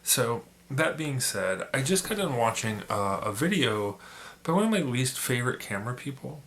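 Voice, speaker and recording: A man with a raspy voice, sick at the moment, talking casually in a rambling opinion vlog with many restarts. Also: medium pitch, big pitch swings, normal speed, fairly bright tone. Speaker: photography YouTuber.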